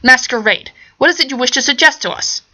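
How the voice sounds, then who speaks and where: A woman's voice: sits high, brisk, bright, forceful tone, pitched above the performer's own voice, poor audio. A woman voicing a bony white dragon villain for a fan fiction reading, with a stern, commanding snarl.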